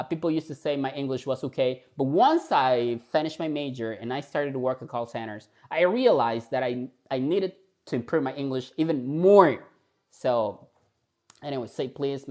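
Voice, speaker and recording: Relaxed Peruvian young man chatting live. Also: mid-range voice. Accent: Peruvian Spanish. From Peru. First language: Spanish. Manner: relaxed, chatty, frequent fillers and laughs. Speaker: host of a live stream. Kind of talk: casual live-stream chat.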